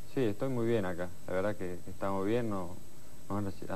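A man talks with a very deep, low pitch. His pace is moderate, with light background noise. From Argentina. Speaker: professional footballer. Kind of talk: post-match interview. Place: studio.

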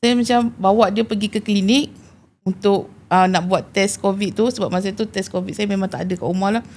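A woman's plain, everyday voice, fairly high in pitch, at a fairly quick pace with fairly even intonation. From Malaysia, Segamat (Johor). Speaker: mother of a patient. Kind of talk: testimony.

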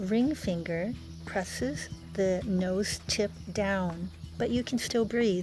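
A woman with an American accent at a very slow pace, music in the background. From California, USA. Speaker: yoga teacher. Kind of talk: guided yoga instruction. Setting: outdoors.

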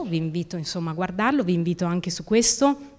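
Speaking very fast, a woman with a Milanese accent keeps to a fairly low pitch. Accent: Milanese accent, noticeable. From Milan, northern Italy. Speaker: history of science professor; conference speaker. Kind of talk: conference welcome speech. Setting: conference hall with audience. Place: classroom. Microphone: handheld.

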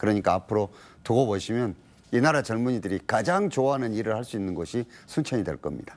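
Intonation lively, a man talks at a very fast pace. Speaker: city mayor. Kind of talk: broadcast interview. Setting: studio. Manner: emphatic, passionate. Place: studio. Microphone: lapel.

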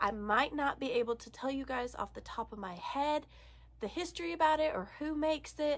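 A woman speaks with a high pitch. Her pitch varies in an ordinary way. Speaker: online reseller vlogger. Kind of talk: casual vlog chat. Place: home room. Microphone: phone near.

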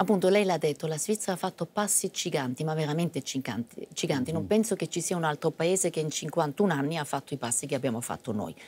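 Speaking at a fairly quick pace with hardly any pauses, a woman has a very deep, low voice. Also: lively intonation. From Switzerland. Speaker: diplomat; interview guest. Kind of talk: interview. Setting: studio. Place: studio. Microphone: lapel.

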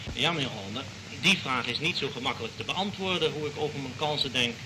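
There is noticeable background noise behind a man. His pitch is fairly high with ordinary variation. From Netherlands. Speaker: chess grandmaster and world champion. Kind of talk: radio interview answer. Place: studio. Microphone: old recording.

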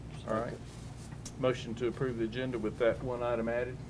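Over noticeable background noise, a man talks at a moderate pace with a Southern US accent. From East Tennessee. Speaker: school board chair. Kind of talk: public meeting. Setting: meeting room. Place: meeting room. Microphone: podium.

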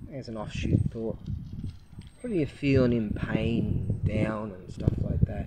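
A man with an Australian accent at a medium pitch, fairly slow and fairly even in intonation, with big swings in loudness, a dry sound with no echo, and loud background noise. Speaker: YouTuber and English teacher; YouTuber, English teacher. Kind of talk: casual monologue vlog. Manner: rambling with many fillers. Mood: reflective, some grievance. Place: waterside. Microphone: phone near.

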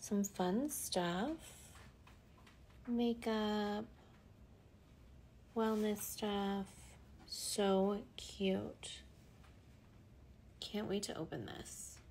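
Soft-spoken and fairly even in intonation, a woman talks at a very slow pace. Long, frequent pauses and light background noise fill the clip. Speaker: social media poster. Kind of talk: casual talk to camera. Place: home room. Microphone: phone near.

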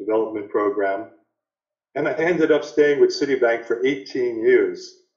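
A man is speaking with audible room echo. The background is quiet. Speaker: interview guest. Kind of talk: interview answer. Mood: warm, reflective. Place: home room. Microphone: video call.

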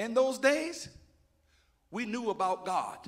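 A man with an American accent speaks at a very slow pace. His pitch is extremely high, and his intonation is lively. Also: quiet background. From South Carolina. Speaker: preacher. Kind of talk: sermon. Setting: church. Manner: halting. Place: church. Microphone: handheld.

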